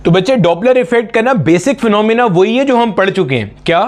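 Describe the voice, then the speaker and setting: A man with a high, animated voice delivers a fairly quick physics exam-prep lecture. He explains each step, poses questions to the class and answers them himself, calling his students "beta" in a familiar, fatherly way.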